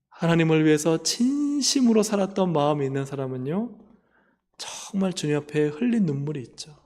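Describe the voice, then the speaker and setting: A man preaching a sermon as pastor, impassioned, swinging from loud high cries down to near whispers. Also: in a large hall. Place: church sanctuary.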